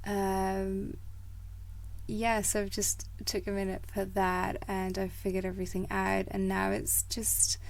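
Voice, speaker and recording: Slow, gravelly-voiced woman podcast host. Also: mid-range voice, monotone. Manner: chatty and rambling, many fillers and laughs. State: croaky from a coming cold. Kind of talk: casual motivational podcast monologue.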